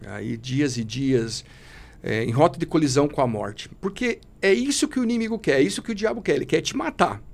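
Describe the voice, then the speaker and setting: A man's voice: a little high, sing-song, brisk, vocal fry. A man giving an emotional personal testimony as a podcast guest, speaking fervently and in a preachy way, often calling the listener brother.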